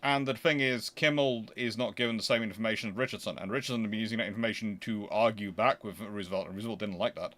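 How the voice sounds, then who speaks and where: A man's voice: on the low side, fast talker, few pauses, fairly bright tone. A man hosting a casual question-and-answer stream, talking in an emphatic, argumentative, conversational way. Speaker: host answering viewer questions.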